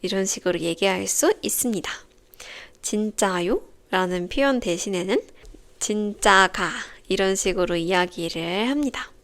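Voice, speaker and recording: A young woman hosting a podcast for language learners, explaining in a calm, clear, carefully paced scripted way. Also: mid-range voice, measured pace. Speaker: Korean teacher podcast host.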